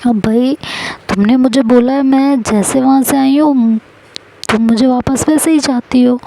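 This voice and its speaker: A woman's voice: on the high side, dark tone, a little hiss or hum, poor audio. A woman doing a doting, coaxing young woman partner. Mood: teasing. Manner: coaxing and playful.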